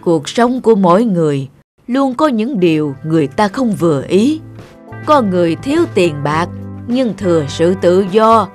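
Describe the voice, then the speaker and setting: A woman voicing a kindly old male fairy god with a white beard, who speaks slowly and calmly, like a wise elder. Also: medium pitch, pitched below the performer's own voice, lightly acted. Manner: slow, calm, gently wise. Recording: music playing behind.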